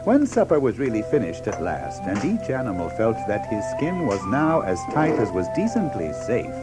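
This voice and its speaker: A man's voice: fairly low pitch, wildly swooping pitch, normal speed, over loud music. A man narrating a children's story in a scripted, storytelling style.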